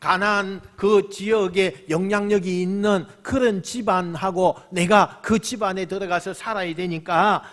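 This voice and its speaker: A man's voice: high voice, fairly even intonation, unhurried, few pauses, a bit bright. A male senior pastor preaching a sermon emphatically, repeating phrases and putting questions to the congregation.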